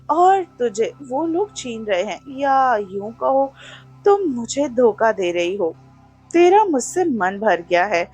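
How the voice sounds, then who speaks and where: A woman's voice: on the high side, husky, exaggerated voice. A woman voicing a jealous, possessive young female college friend who sulks and accuses, with faint music behind. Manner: sulking, accusing, clingy.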